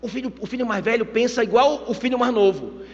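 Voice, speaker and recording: A Brazilian man preaching a sermon in a church, lively and acting out voices while checking in with the congregation. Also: very high-pitched, fast talker. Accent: Brazilian Portuguese. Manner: animated, acts out voices and asks the congregation for agreement. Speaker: pastor. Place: church sanctuary. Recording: muffled church hall with long reverb.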